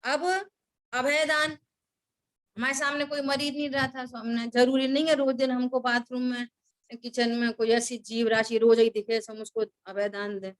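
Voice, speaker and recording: A woman's voice: fairly high pitch, level tone, normal speed. A woman teaching a scripture class, who keeps questioning her listeners and repeating key words.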